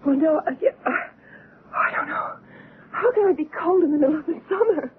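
An actress in a 1970s radio drama playing a bewildered, anxious young mother with a halting delivery. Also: high-pitched, expressive. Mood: panicked, tearful. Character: frightened, bewildered young mother, UFO witness. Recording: muffled, noisy old radio recording.

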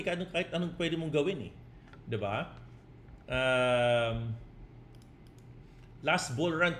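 On a casual live stream, a crypto trading coach switches between Tagalog and English, reads chat comments aloud and ends his points with "no?" and "di ba?" His voice is a little high and fairly bright, with a faint hiss or hum.

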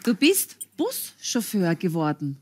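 A woman's voice: lowish voice, wildly swooping pitch, slow, a loud crowd, heavy background noise. A young woman hosting a TV talk show in a chatty, encouraging way. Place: TV studio.

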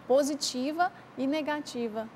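A woman's voice: sits high, a little slow, darkish tone, slight background noise. A woman hosting a religious morning TV talk show, interviewing a guest and often finishing her sentences.

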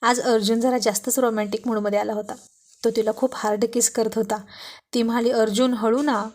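A woman's voice: fairly high pitch, level tone, fairly quick, a little mellow. Woman narrating a romance serial. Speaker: storyteller.

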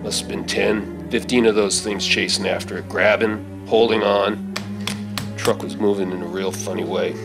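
A middle-aged man on stage playing a gruff, take-charge survivor of a zombie attack in a radio play, with folksy phrasing. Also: fairly low pitch, flat delivery, normal speed. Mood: steady, grim. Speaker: stage actor reading a script. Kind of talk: live radio-play acting. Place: theater stage. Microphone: stand microphone. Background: loud music.

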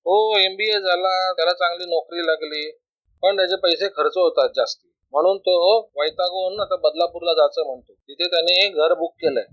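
A man's voice: sits high, fairly even intonation, moderate pace, close to an everyday voice. A man voicing a worried, tearful older mother who complains and pleads, in a storybook reading on a dull lo-fi recording.

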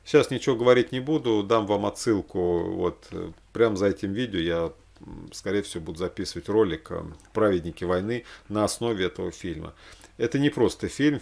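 A man speaking casually and ramblingly as he recommends things to watch, halting and repeating himself for emphasis. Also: low voice, vocal fry, a little mellow. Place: small room indoors.

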